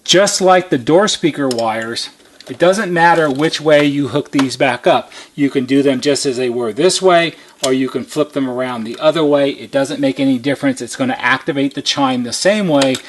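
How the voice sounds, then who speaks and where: A man's voice: medium pitch, moderate pace, a little hiss or hum. A man giving a hands-on how-to demonstration as a repair technician, methodical and step-by-step, stressing key points.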